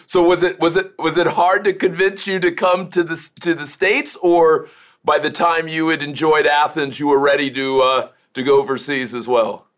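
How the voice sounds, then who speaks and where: A man's voice: a little high, fairly even intonation, normal speed, fairly bright tone. A man hosting an interview, asking curious questions and often restarting them, laughing easily. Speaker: interview host. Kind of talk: interview conversation.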